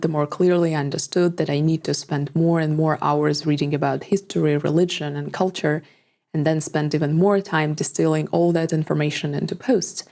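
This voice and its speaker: A young woman narrates her own scripted video essay, calm and reflective. Her voice sits low and carries a gravelly fry, with a dark, mellow tone. English is not her first language. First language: neither English nor Japanese. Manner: measured, reflective, articulate.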